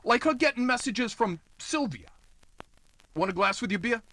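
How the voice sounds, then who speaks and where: A man's voice: extremely high pitch, animated, normal speed, pushed and bright, dry recording, exaggerated voice. An actor playing a nosy, slimy apartment house manager who wheedles in tough-guy slang, in old-time radio noir style. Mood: insinuating.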